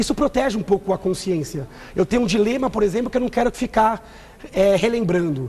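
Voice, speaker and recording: Noticeable background noise sits behind a man speaking at a fairly quick pace. His pitch is high and his intonation lively. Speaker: neurologist. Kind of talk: TV interview.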